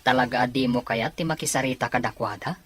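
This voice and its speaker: A woman voicing a supportive, inquisitive young male buddy with a husky voice in an amateur audio drama. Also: extremely low pitch, fast talker. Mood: sympathetic, curious.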